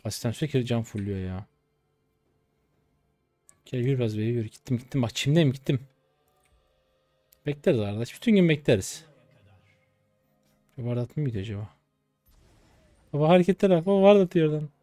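A man in his twenties streaming his gameplay, chatty and excitable, trash talking in slang and breaking into sudden high-pitched outbursts. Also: a little fast, long pauses, no echo, faint music behind. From Turkey. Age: 20s. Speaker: game streamer. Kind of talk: live gameplay commentary.

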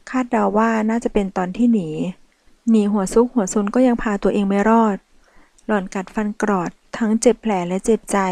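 A woman reading a dramatic novel aloud in a steady storytelling voice. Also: mid-range voice, no room sound. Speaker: audiobook narrator. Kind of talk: scripted novel narration.

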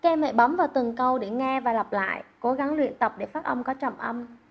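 A woman teaching English online, encouraging, repeating words slowly for learners, recorded close to the mic. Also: fairly high pitch, gravelly, slightly rough, lo-fi sound. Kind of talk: online classroom lesson.

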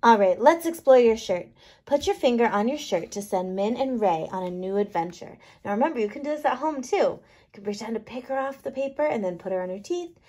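A woman kindergarten teacher reading a picture book aloud, playful and expressive, leaning on key words. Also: fairly high pitch, brisk.

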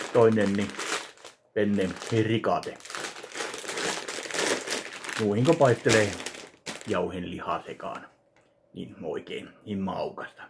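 A man in his thirties from Finland, casually narrating an unboxing of a fan package in his home kitchen, speaking slowly and haltingly to a webcam. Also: on the low side, noisy background. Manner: slow, halting, listing items one by one. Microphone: webcam at desk distance.

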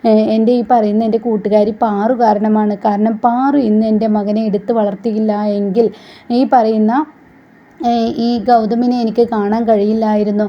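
Chatty woman retelling a serial, flat voice. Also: mid-range voice, moderate pace. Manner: chatty and conversational, with frequent fillers. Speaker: channel host. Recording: dull lo-fi recording.

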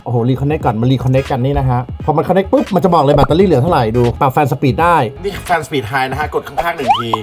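Fast-talking excitable male tech vlogger. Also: fairly high pitch, music in the background. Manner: excitable, swears freely, jokey outbursts. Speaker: tech reviewer. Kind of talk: casual unboxing vlog.

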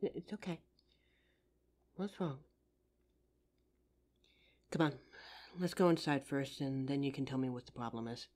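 A woman playing a caring, worried best friend in an audio roleplay, speaking in an earnest, soothing, gently insistent way. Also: extremely low pitch, unhurried, long pauses. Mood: gentle, concerned. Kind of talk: roleplay audio drama monologue, intimate comforting.

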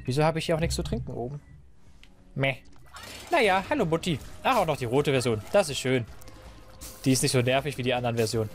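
A man giving casual, playful Let's Play commentary, talking to the game and his viewers, his voice a bit hoarse. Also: mid-range voice, expressive, fast, pauses often, faint music behind. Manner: playful, talks to the game and viewers, silly noises. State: slightly hoarse, clearing throat.

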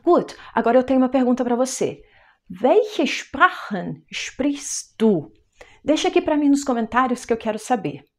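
Brazilian woman teaching german online, kinda high voice, patient, slows down for the examples. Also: a little mellow. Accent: Brazilian Portuguese. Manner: patient, explains step by step, slows down for example words. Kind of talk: online language lesson.

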